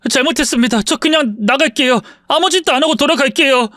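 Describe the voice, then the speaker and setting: A man's voice: extremely high pitch, lively intonation, normal speed, fairly bright tone, dry recording, studio quality. A man voicing a scheming male friend who stammers and begs after being caught out, in a dramatized story reading. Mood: pleading. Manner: begging, stammering. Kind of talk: storytelling voice acting.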